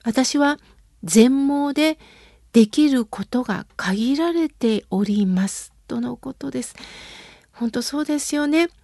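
High-voiced woman gently reading listener letters. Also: animated, a little slow, dry recording, studio quality. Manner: soft, polite and reflective. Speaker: radio host reading listener mail.

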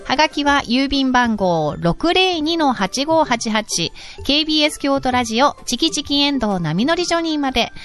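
High-voiced woman hosting a radio English corner. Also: very animated, faint music behind. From Georgia, United States. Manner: gentle, teacherly, reads announcements slowly. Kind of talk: casual radio chat.

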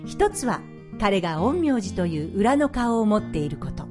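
A woman's voice: medium pitch, very animated, moderate pace. A woman reading a scripted story narration. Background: guitar music.

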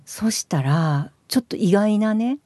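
A woman's voice: mid-range voice, expressive, a little slow, warm tone, dry recording, clean studio sound. A woman co-host with a Kansai accent, chatting casually in an effusive, emphatic way. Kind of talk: casual chat.

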